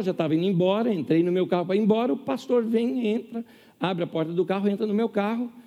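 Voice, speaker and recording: A high, animated man preaches a sermon, acting out the voices in his stories. His tone is warm and a little husky, and long reverb carries it through a hall. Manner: animated, acts out quoted voices. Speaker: pastor. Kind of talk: sermon with storytelling.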